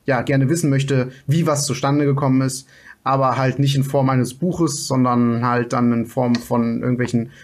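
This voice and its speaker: A man co-hosting a casual podcast, talking in a relaxed way with hesitations and fillers. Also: mid-range voice, moderate pace. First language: not English. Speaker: podcast co-host.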